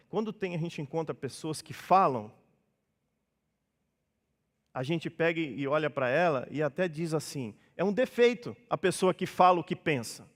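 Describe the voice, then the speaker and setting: A man's voice: a little high, a bit bright. A Brazilian man preaches a sermon from the pulpit in a lightly raised voice. He talks to the congregation casually, slipping into the voices of people from his stories. The sound rings with a long reverb in the church. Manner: conversational preaching, acts out dialogues in changed voices. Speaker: pastor. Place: church hall.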